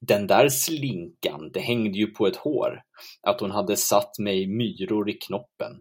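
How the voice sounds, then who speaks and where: A man reading aloud as Peer Gynt, a boastful, self-justifying man, in measured, rhythmic verse. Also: lowish voice, husky. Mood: musing.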